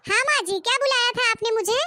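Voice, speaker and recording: A woman's voice: extremely high pitch, fast, heavy background noise, pitched above the performer's own voice. A woman voicing a cheeky young daughter-in-law in a comic cartoon, talking back in a whiny, defiant way. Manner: whiny, defiant, sing-song pleading.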